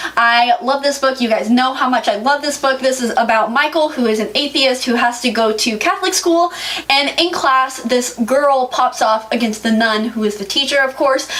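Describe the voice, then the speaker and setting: Noticeable background noise behind a woman's raised, projected voice, high in pitch, with ordinary pitch variation at a moderate pace. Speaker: book youtuber. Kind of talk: casual vlog talk to camera. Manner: animated.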